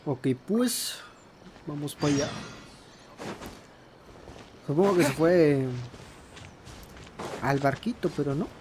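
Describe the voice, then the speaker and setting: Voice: medium pitch, expressive, a little slow, pauses often, background noise. A Spanish speaker with a Mexican accent giving casual Let's Play commentary as a gaming video host.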